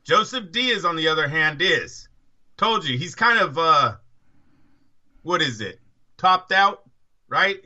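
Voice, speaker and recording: A man's voice: a little high, animated, slow, pauses often, sharp tone, highs cut off. A man co-hosting a boxing podcast, pushing his opinions hard in casual, argumentative talk. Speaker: podcast co-host.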